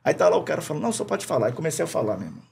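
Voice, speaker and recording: A middle-aged man from Rio de Janeiro with a Carioca accent, telling animated anecdotes full of slang, swearing and laughter as a podcast guest. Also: on the high side, rapid-fire, vocal fry, slight background noise. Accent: Carioca Portuguese. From Rio de Janeiro, Brazil. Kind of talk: casual chat, storytelling. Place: podcast studio.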